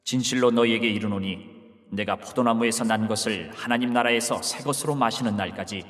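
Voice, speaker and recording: A man voices a grave, authoritative teacher in an audio Bible drama. His voice sits fairly low, and his measured, solemn words carry a long reverb, as if spoken in a large hall. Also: a bit bright, close to an everyday voice. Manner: measured, solemn scriptural delivery.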